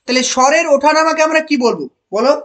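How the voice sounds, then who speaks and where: Pitched high and fairly bright, with a little hiss or hum in the audio, this teacher fires questions at an online exam-prep class. Key answers get repeated, pupils are praised by name, and English options are read out slowly.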